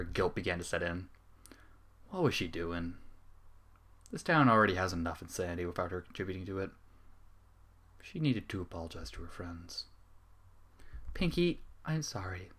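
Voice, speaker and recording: A man's voice: deep voice, animated, normal speed, long pauses, fairly bright tone. A man reading a comic fan story aloud as a dramatic narrator. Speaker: story reader.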